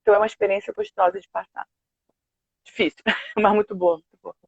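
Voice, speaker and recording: An older woman with a Brazilian Portuguese accent, a singer telling stories with lively quoted asides in a casual interview. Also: medium pitch, fast talker, vocal fry, breathy edge, no echo. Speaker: guest, opera and musical theatre singer. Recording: dull, dry video-call audio.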